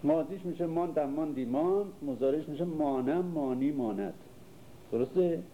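Reciting classical verses before explaining them in casual speech, an older literature teacher quizzes his class as he goes. His voice is a little high, and the narrow, tinny audio carries faint background noise.

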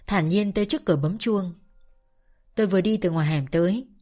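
A woman reading a first-person story aloud in a calm, measured narration. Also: on the low side. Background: faint music.

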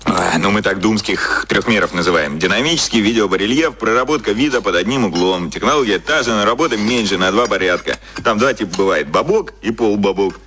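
Cynical boss, low voice, lively swooping intonation, offhand, cocky, radio drama. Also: male voice, fairly quick, hardly any pauses, a little hiss or hum. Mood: amused, smug. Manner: offhand, colloquial explaining. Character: cynical, cocky male boss explaining secret media machinery.

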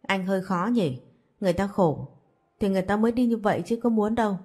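A woman voicing a kind, caring young woman who speaks in a gentle, coaxing way. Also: mid-range voice, fast talker, close to an everyday voice.

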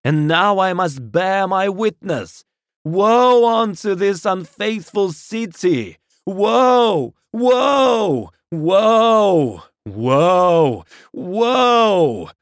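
Half-mad curate, loud, high and wailing. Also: male voice, expressive, drawn-out words, no echo, studio quality, exaggerated voice. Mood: frenzied, defiant. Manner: declamatory, loud, wailing preacher. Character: half-mad, fervent male curate crying doom and repentance. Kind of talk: audiobook character acting.

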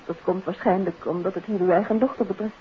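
An actress playing a detective's composed, observant wife, speaking politely and with refined curiosity in a 1950s radio drama. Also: female voice, medium pitch, steady tone, fast talker, lightly acted. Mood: polite, inquiring. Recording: muffled, noisy, phone-like old radio recording.

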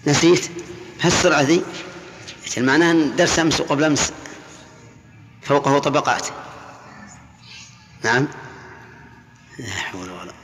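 An older man with a Saudi Arabic accent teaching a classroom lesson, quizzing students by name in a brisk, probing way. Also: a little high, a bit bright, faint music behind. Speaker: sheikh teaching Quran exegesis. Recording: long hall reverb.

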